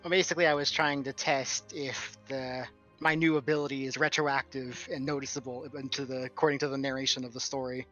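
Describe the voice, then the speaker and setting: A man's voice: mid-range voice, little pitch movement, fairly quick, bright, forceful tone, highs cut off, soft background music. A man speaking as a tabletop game player in casual chat, with a dry, analytical manner.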